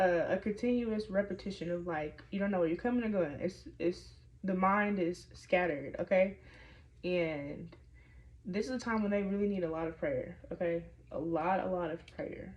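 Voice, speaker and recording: A woman talks at a moderate pace in a plain, everyday voice. Her pitch is medium, with ordinary pitch variation. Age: 20s. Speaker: prophetic intercessor. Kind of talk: casual spiritual message to camera.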